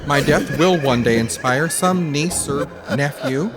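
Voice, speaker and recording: A man's voice: a little high, a little slow, loud music behind the voice, lightly acted. A man playing a sardonic, vengeful undead gay fictional character in an audio play, theatrical and campy. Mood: melodramatic.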